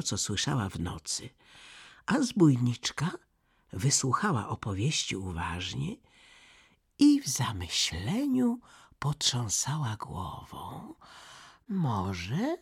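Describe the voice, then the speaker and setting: A storyteller reading a fairy tale slowly and expressively, often dropping to a half whisper. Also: mid-range voice, very animated, vocal fry, slightly rough.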